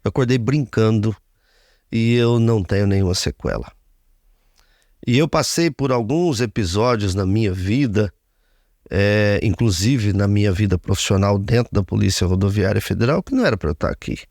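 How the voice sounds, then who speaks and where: A man's voice: fairly low pitch, normal speed, a little mellow, no room sound, studio quality. A man in his fifties, a radio broadcaster, giving an earnest interview testimony and speaking often of his faith. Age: 50s.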